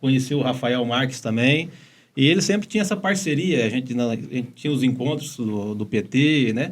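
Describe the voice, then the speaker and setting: A man's medium-pitched voice in a São Paulo interior accent, with lively intonation. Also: moderate pace. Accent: caipira (São Paulo countryside). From interior of São Paulo state, Brazil. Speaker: family doctor. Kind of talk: podcast interview.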